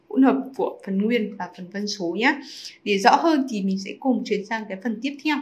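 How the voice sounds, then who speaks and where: A woman teacher explaining fractions in an online lesson, chatty and often checking in with her students through quick rhetorical questions. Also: mid-range voice. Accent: Vietnamese. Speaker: math teacher.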